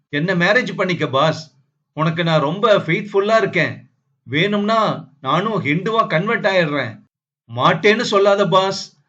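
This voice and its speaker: A man voicing an affectionate, childlike young woman who pleads tenderly in a slow storybook reading. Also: high voice, sharp tone, highs cut off, pitched above the performer's own voice, heavily acted. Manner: pleading, tender, calls him "boss".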